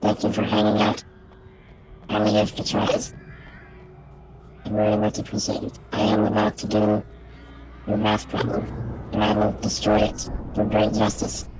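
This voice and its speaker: A woman's voice: extremely low pitch, completely flat delivery, normal speed, long pauses, noisy background, pitched below the performer's own voice. A woman streamer talking through a robot voice changer filter, playing a solemn, self-important robot that speaks in a stiff, formal way. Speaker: game streamer.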